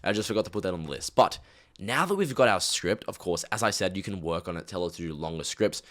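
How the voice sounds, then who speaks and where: A man's voice: deep voice, lively intonation, fast talker, fairly bright tone. A man giving a casual screen-recorded tutorial, talking in a chatty, direct way with lots of fillers. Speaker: YouTube automation coach.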